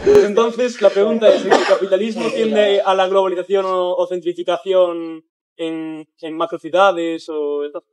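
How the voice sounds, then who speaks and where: A man's voice: high voice, flat delivery, normal speed, over a noisy crowd, poor audio. A man asking an informal question in a hesitant, searching way. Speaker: audience questioner. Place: outdoor garden event.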